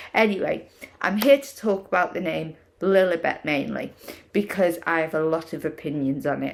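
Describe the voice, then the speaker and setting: A woman talks at a moderate pace. Her pitch is fairly low. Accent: English. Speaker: royal gossip vlogger. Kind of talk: opinion vlog. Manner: lots of ums and hesitations.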